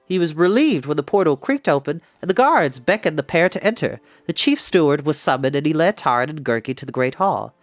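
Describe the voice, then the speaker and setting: A man reading a fantasy novel aloud in an expressive narrating style. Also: a little high, brisk, hardly any pauses, no echo. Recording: music behind the voice. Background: background music.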